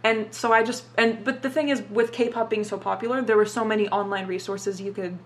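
A woman's voice: medium pitch, fairly even intonation, fairly quick. A young woman who grew up in Dubai and speaks Arabic as her first language, answering questions in a casual interview and swearing freely as she talks. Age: young adult. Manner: casual, swears a lot, says "like" often.

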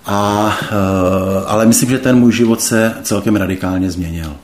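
Deep-voiced man giving slow testimony. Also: a little mellow. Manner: slow, hesitant, thoughtful, many pauses and fillers. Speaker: interview guest. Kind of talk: reflective personal testimony.

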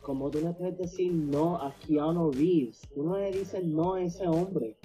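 A man who is a guest on a casual chat, talking in a relaxed way and mixing English words into his Spanish. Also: a little high, measured pace, faint music behind.

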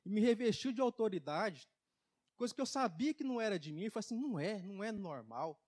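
A man preaching a folksy testimony sermon in church, emphatic, with loudness and pitch that swing widely. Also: expressive, quick pace. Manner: folksy, laughs at his own jokes. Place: church service.

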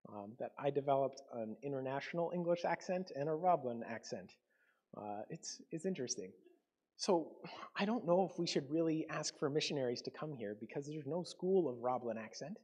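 Husky-voiced man preaching a casual sermon. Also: on the high side, lively intonation, normal speed, darkish tone. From Canada. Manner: conversational, with frequent ums and self-corrections. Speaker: pastor.

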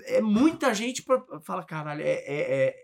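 A man's voice: sits high, sing-song, moderate pace, vocal fry. A man in a casual interview chat, thinking aloud with restarts and casual swearing. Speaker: comedy group member.

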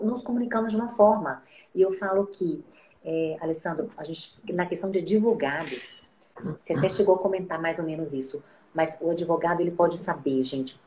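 Woman speech therapist, lively explainer, lower pitch, roomy echo. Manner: animated, acts out quoted speech. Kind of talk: conversational interview.

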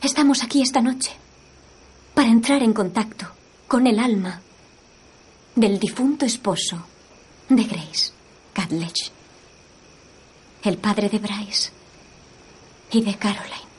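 An actress playing a solemn young spiritualist medium, slowly invoking spirits in a film dub. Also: female voice, mid-range voice, a little mellow, husky. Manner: slow, theatrical séance-medium invocation. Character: solemn, theatrical young woman séance medium. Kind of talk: film dub acting, séance invocation.

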